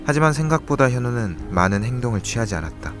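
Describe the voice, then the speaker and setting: A man playing a brooding, secretive young student in a radio drama, measured and introspective as he talks and narrates over music. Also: mid-range voice, very animated, close to an everyday voice. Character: brooding, secretive young male student, an observant older classmate. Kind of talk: Korean radio drama dialogue and first-person narration.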